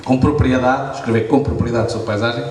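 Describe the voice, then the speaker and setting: A man's voice: medium pitch, steady tone, brisk, darkish tone. A man, moderating a panel talk, emphatic and repeating points for stress. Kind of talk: quick remarks in a panel talk. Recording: echoey room, distant mic, faint noise.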